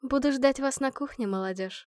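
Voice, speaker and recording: A woman voicing a warm, teasing middle-aged mother in a storybook reading, speaking softly and unhurriedly. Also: high voice, normal speed, no echo, studio quality, pitched above the performer's own voice, close to an everyday voice.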